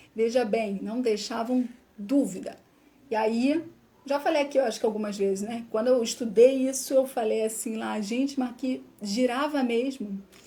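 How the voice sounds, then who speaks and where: Moderately paced, a woman talks in a fairly high pitch. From Rio de Janeiro, Brazil. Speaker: spiritist study teacher. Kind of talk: live-streamed study class. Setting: live stream. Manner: animated.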